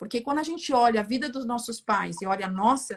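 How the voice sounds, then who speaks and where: A woman speaks in a high voice. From Brazil, São Paulo. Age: 50s. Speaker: family constellation therapist. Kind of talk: live-stream interview.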